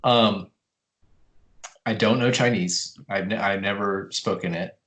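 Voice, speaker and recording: A man's voice: fairly low pitch, fairly even intonation, unhurried, fairly bright tone. A man playing a stammering, flustered monk. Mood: earnest. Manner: stammering, earnest, keeps correcting himself. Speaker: improv performer.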